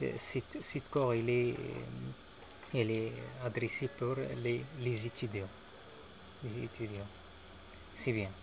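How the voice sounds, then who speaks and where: Speaking at a very slow pace with a non-native accent, a man with a medium pitch is heard with audible room echo. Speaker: mechanics teacher. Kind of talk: lecture. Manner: halting, many repetitions.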